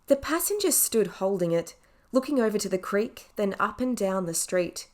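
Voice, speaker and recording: A woman's voice: mid-range voice, expressive, moderate pace, a little mellow. Woman narrating an audiobook.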